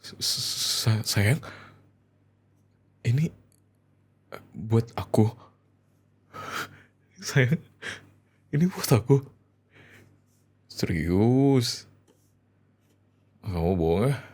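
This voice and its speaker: A man performing an ASMR roleplay as an affectionate, excitable husband talking to his wife, with expressive, hesitant delivery. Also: mid-range voice, extremely slow, long pauses, husky.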